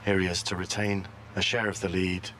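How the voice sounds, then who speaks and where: A man's voice: low-pitched, level tone, fairly quick, fairly bright tone. A man giving live golf commentary, describing play as it unfolds in short, descriptive phrases. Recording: faint background noise and hum.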